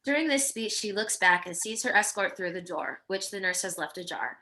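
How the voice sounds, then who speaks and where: Female narrator, bright tone, medium pitch, scripted stage directions, screenplay table read. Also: expressive, a little fast.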